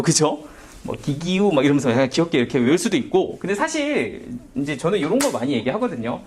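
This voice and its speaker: A man's voice: fairly high pitch, a little mellow, slight background noise. A man teaching a math lesson in a casual, questioning way, often asking and answering himself. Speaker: math tutor. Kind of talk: whiteboard math lecture.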